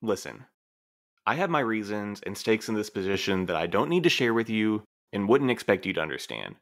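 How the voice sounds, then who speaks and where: A man plays a reserved postmaster in an audio drama, his voice on the low side. He speaks formally and precisely, dry yet earnest, a dutiful sort who measures his words. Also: very animated, brisk, a bit bright. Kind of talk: scripted audio drama acting.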